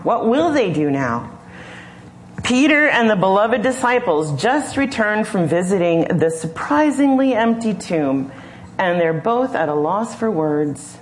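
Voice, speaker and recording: A woman with a low voice who tells a scripture story at an unhurried pace, pausing to wonder aloud. Faint room hum underneath. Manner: slow, imaginative, gently questioning. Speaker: preacher. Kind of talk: storytelling sermon.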